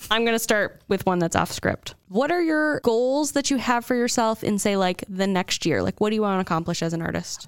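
With a normal speaking voice, a woman talks at a fairly quick pace, fairly high in pitch, with very even loudness. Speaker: podcast host. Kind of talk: interview.

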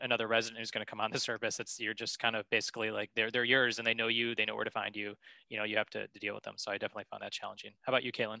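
In a very clean, dry, close recording with a silent background and no echo, a man speaks very fast at a medium pitch, his tone bright and sharp and his intonation monotone and flat. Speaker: podcast host, sports medicine doctor. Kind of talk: casual interview.

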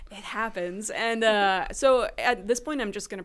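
In an American accent, a woman speaks at a moderate pace with ordinary pitch variation on a very clean recording with a silent background. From Maine, US (Bangor area). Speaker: visual artist. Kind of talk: interview. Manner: halting, many fillers.

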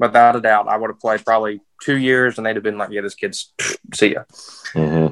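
A man with an Alabama accent, medium in pitch and fairly quick in pace. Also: ordinary pitch variation. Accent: Southern US (Alabama). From US South, Mobile, Alabama. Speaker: professional baseball pitcher. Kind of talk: casual interview.

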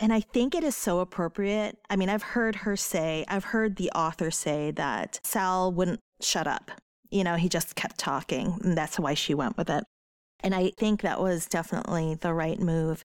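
A normal speaking voice at a moderate pace, with very even loudness, ordinary pitch variation and a very clean recording with a silent background. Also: woman, medium pitch for a woman. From Philippines, moved to the US at nine. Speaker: romance author. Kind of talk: casual chat.

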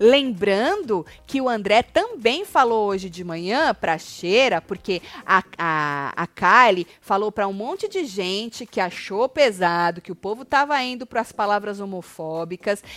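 A woman speaks in an animated tone at medium pitch, with lively intonation. Her pace is fairly slow with hardly any pauses, and the sound is dry and close with no echo. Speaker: reality show commentator. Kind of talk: casual chat.

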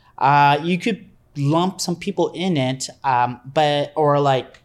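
Fairly high in pitch with ordinary variation, a man talks with an American accent. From Santa Barbara, California. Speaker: cultural archivist. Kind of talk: casual chat.

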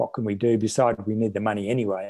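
In an Australian accent, a dark, mellow voice moves at a fairly quick pace with ordinary pitch variation, on a very clean recording with a silent background. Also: man. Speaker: author and public intellectual. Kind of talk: interview.

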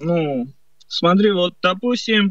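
A man's high-pitched voice at a very slow pace. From Rostov-on-Don, southern Russia. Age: 20s. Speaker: Armenian guest on Armenian-Azerbaijani dialogue show. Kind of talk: casual chat.

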